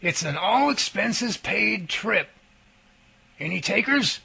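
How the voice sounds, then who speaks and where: Man playing a high, very raspy team leader. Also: lively intonation, pushed and bright, exaggerated voice. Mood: businesslike. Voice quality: raspy, gravelly. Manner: deliberate, explanatory, briefing-like. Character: organized, businesslike male leader of a research team. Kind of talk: audio drama acting.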